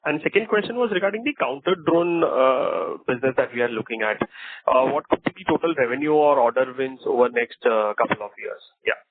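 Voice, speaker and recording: A man's voice: mid-range voice, lively intonation, fairly quick, no room sound. A man with an Indian accent, a caller politely asking questions on an investor conference call. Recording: narrow dry phone line.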